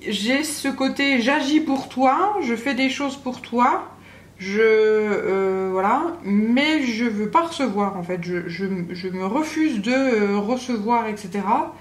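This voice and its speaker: Taking her time, a woman with a voice on the high side gives a channeled tarot reading directly to the viewer. It's casual and hesitant guidance with many fillers and restarts, and the room echoes with a faint hum.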